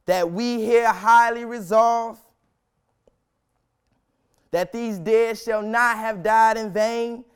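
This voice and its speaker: A young man reciting a historic speech as solemn, dramatic oratory, with deliberate, emphatic phrasing and long pauses. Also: extremely high pitch, smooth. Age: young adult.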